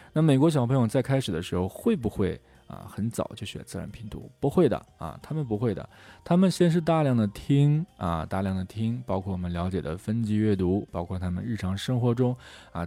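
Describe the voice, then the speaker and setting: A middle-aged man teaching how to memorize English words, lively and full of rhetorical questions. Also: low-pitched, gravelly. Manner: lively, rhetorical questions, often asks "right?". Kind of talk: lecture on memorizing vocabulary.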